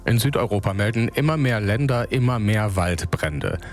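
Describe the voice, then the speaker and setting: A man reading scripted regional news on the radio in a calm, measured, even delivery. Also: lowish voice, music in the background. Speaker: newsreader. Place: radio studio. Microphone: close studio microphone.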